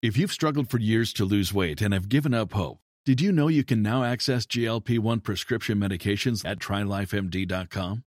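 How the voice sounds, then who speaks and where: A man's voice: fairly low pitch, fairly quick, few pauses, no echo, clean studio sound. A man reading a scripted commercial voice-over, speaking straight to the listener. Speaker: advert voice-over.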